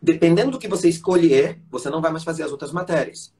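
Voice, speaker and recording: A man's voice: on the high side, fast talker. A man, a voice teacher and conductor, telling stories as the guest in an interview and acting out the voices of the people he quotes. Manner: animated storyteller who acts out quoted voices. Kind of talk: live-stream interview storytelling.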